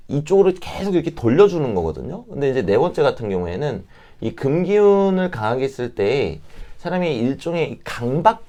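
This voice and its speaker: A man with a mid-pitched voice that moves up and down in lively intonation. His throat is a little hoarse and catches as he talks. He explains things politely and step by step, like an advisor addressing viewers informally. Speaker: fortune-telling advisor, channel host. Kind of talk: informal explanatory talk to camera.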